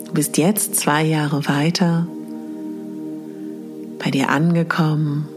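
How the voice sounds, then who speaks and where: A woman leading a guided meditation in the soothing manner of a sleep story narrator, with breathy phrase endings. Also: low voice, level tone, slow pace. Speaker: podcast host and guided exercise leader. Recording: music behind the voice. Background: clear background music.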